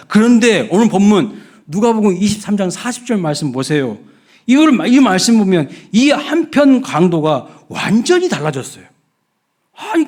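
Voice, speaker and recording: Male pastor, middle-aged, sermon delivery; higher voice with lively, wide-ranging pitch. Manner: emphatic preaching, rising loud when acting out the thief.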